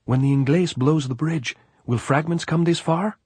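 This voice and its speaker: A man voicing a nervous, excitable gypsy guerrilla who chatters in old-fashioned phrasing in an audiobook. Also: on the high side, normal speed, husky, dry recording, voice pushed up. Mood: anxious. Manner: excitable, raised voice, archaic phrasing.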